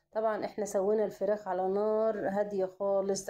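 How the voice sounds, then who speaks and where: In an Egyptian accent, a woman speaks with a dark, mellow tone at a medium pitch. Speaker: cooking vlogger. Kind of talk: cooking tutorial. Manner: halting.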